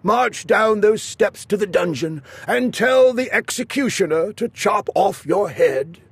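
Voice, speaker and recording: A man doing a shrill, fretful storybook king. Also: lively intonation, unhurried, slightly rough, full character voice. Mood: grave. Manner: high shrill exclamations and shouting.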